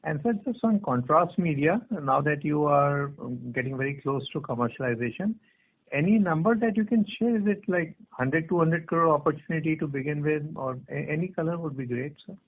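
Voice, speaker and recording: A man's voice: a little high, fairly quick. A man with an Indian accent asking polite, tentatively phrased questions as a financial analyst on a conference call. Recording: narrow, muffled phone line.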